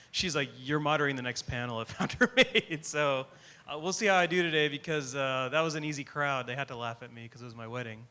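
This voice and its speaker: A man's voice: a little high, sharp tone. A man moderating a panel on stage, joking in a self-deprecating way and speaking into a handheld mic. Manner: self-deprecating, quick jokes. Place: large tent stage before an audience. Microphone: handheld mic, far camera.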